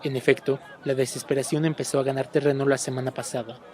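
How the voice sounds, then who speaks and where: A man's voice: mid-range voice, little pitch movement, fast talker, a little mellow. A man narrating a news report as field reporter. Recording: street crowd and noise behind.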